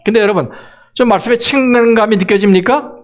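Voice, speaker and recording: A man with a notably high voice preaches a sermon as a church pastor. He keeps putting questions to the congregation and stretches out the words he wants to land. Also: quick pace. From Seoul, South Korea. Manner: asks the congregation rhetorical questions.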